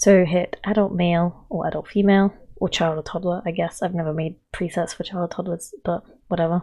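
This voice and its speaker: A woman's dark, mellow, somewhat breathy voice sits at a fairly low pitch, monotone and flat in intonation, at a fairly quick pace. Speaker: gaming tutorial creator. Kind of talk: screen-recorded tutorial. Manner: casual, self-deprecating chatter.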